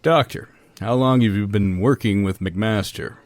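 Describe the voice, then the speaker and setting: A man's voice: lowish voice, unhurried, a little mellow, no room sound, close to an everyday voice. A man playing an awkward radio reporter. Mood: on-air. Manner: smooth on air, fumbling off air.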